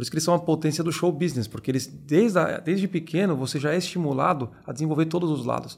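With music in the background, someone talks very fast, with ordinary variation in pitch. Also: man. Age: 40s. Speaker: former city councillor and lawyer. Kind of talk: casual interview.

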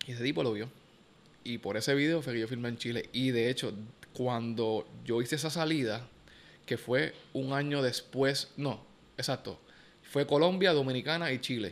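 In a very clean recording with a silent background, a man speaks at a medium pitch with ordinary pitch variation and long, frequent pauses. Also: moderate pace. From Puerto Rico (San Juan, Guaynabo). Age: 30s. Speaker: professional basketball player. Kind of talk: casual interview.

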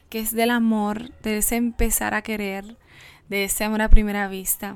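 With a Puerto Rican accent, a woman speaks at a moderate pace and a medium pitch. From Puerto Rico, Camuy. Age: 20s. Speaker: podcast host and poet. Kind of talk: casual chat.

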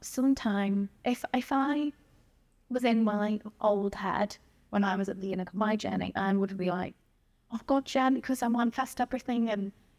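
A woman with a northern English accent speaks in a fairly high voice with fairly even intonation. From northern England. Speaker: hairdresser, podcast co-host. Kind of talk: casual chat.

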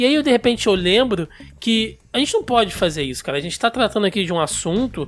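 Lively intonation marks a man's speech, which moves at a fairly quick pace. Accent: Rio de Janeiro. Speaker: podcast host. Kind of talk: casual chat.

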